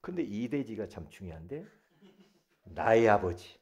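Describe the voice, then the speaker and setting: A male pastor preaching a sermon, leading the congregation to repeat after him and swinging from quiet asides to loud exclamations. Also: on the low side, a little slow. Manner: lively, swings between soft asides and shouted exclamations; leads the congregation in call-and-response.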